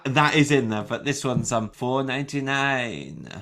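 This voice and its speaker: A man's voice: mid-range voice, big pitch swings, normal speed, gravelly, fairly bright tone. Giggly man bantering on a podcast. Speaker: podcast co-host. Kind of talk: casual chat. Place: Brighton.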